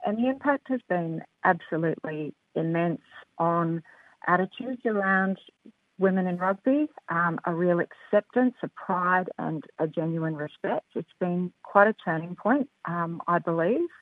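An Australian woman speaking as an interview guest, upbeat and enthusiastic, often starting with "look" and filling pauses with "um". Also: on the low side, lively intonation, dry recording. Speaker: rugby development representative. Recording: tinny phone line.

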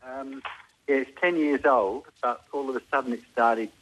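A man's voice: medium pitch, fairly even intonation, normal speed, rough recording. A man calling a radio show, asking casually and answering in brief, hesitant phrases. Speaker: radio phone-in caller. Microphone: telephone.

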